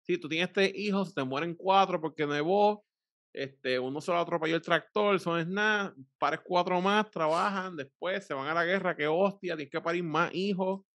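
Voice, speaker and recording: A man's voice: sits high, normal speed, a bit bright, dry recording, studio quality. A man in his thirties in casual banter, wry and profane, swearing often. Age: 30s. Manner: wry, profane, keeps saying "cabrón".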